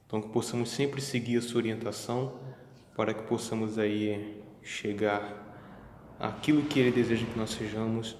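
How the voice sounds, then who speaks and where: A young man from Brazil calmly and earnestly explaining a Sabbath school lesson. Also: fairly low pitch, normal speed, echoey room, big-room sound, slight background noise. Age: young adult. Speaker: lesson presenter.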